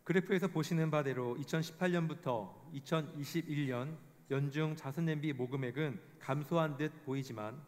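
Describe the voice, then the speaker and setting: A man giving a formal scripted report, reading statistics in a measured way. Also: fairly high pitch, a little mellow. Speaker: presenter of a report. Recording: long hall reverb.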